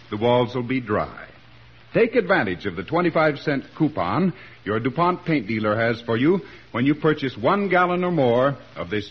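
Husky vintage radio pitchman. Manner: brisk salesman's pitch. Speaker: commercial announcer. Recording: muffled old radio broadcast.

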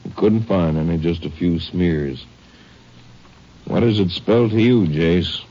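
An actor playing an excitable, folksy small-town Texas sheriff in a 1950s radio western. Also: male voice, deep voice, slow pace. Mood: earnest, puzzled. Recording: muffled, noisy 1950s radio recording.

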